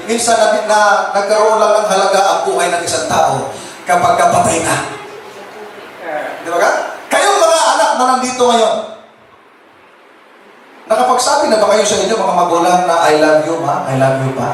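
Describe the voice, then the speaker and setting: A male pastor gives a humorous sermon, joking with the congregation, laughing often, and dropping English words into his talk. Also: high-pitched. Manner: jokes with the crowd and laughs often; keeps addressing the listeners as brothers and sisters. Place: church. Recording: very echoey church from a distance, noisy.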